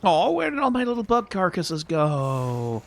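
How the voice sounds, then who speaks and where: A man's voice: sits high, wildly swooping pitch, unhurried, creaky. A man giving casual video game commentary, musing aloud to himself as he plays. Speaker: gaming streamer. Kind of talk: casual let's play commentary.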